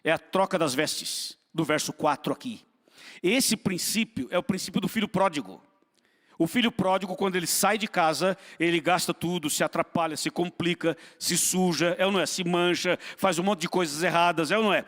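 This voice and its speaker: Male pastor, sermon, high voice, fervent repetition, calls to the congregation, long church reverb. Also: moderate pace, a bit bright.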